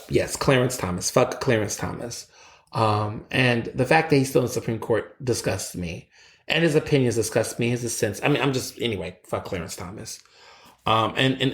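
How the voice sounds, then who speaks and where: A man in his twenties hosting a solo opinion podcast, blunt and sassy, often restarting his sentences, tired after a long late night. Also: medium pitch. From United States. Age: 20s. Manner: animated, sassy and blunt, with frequent restarts and stammers. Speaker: podcast host.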